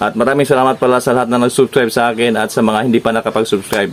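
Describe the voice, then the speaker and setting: The speech moves at a very fast pace in a monotone, flat intonation over noticeable background noise. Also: man. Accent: Visayan. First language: Cebuano (Bisaya) (speaking Tagalog). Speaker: YouTuber, small-scale farmer. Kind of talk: casual vlog tutorial.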